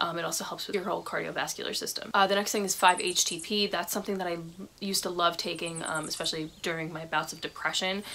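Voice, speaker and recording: In an American accent, a woman with a fairly low pitch talks at a very fast pace in a monotone, flat intonation, with hardly any pauses and noticeable background noise. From United States. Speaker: YouTuber, wellness vlogger. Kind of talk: casual vlog talk to camera. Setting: her room. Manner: casual, with many fillers.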